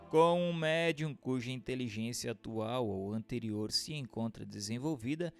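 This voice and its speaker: A Brazilian man reading a book aloud as a narrator, in a formal, declamatory and deliberate scripted delivery. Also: mid-range voice, gravelly. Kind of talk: scripted audiobook-like narration of a spiritist treatise.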